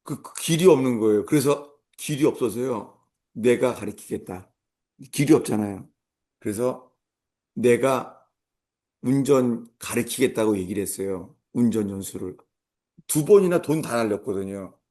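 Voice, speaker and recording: A middle-aged male pastor giving a sermon, telling a humorous personal story and acting out shouted commands. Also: mid-range voice, animated, moderate pace.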